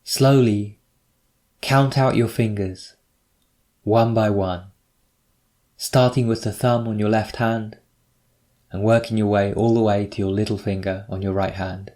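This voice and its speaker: A man narrating a scripted guided meditation, giving measured, instructive prompts with pauses between them. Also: lowish voice, fairly even intonation, warm tone.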